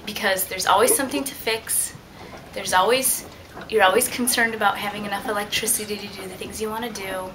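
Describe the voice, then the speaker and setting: A woman's voice: mid-range voice, steady tone, brisk, background noise. A young adult woman talking casually and reflectively as an interviewee about her own life, seated indoors. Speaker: liveaboard sailor being interviewed.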